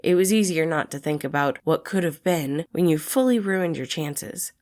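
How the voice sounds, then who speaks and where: A woman narrates a piece of written fiction. Her voice sits a little low, and she delivers the prose as a scripted storybook reading. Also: moderate pace, darkish tone. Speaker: podfic narrator.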